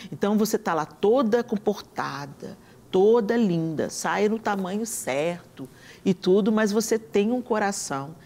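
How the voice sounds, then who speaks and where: A Brazilian woman with a Brazilian Portuguese accent appears on a talk show, preaching in a conversational way. Earnest and animated, she quotes scripture as she tells her stories. Her voice is medium in pitch and her pace measured.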